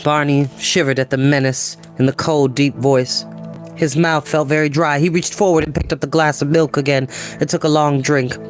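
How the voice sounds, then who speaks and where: A man reading a children's novel aloud as narrator, in an expressive storytelling style. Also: fairly high pitch, normal speed, faint music behind.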